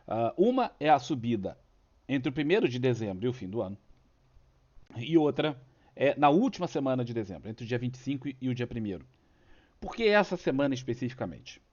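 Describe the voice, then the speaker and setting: A man's voice: medium pitch, sing-song, brisk, darkish tone, highs cut off. A Brazilian man with a cold and a cough, hosting a casual stock market chart talk full of rhetorical questions. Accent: Brazilian Portuguese. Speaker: host of a stock market channel.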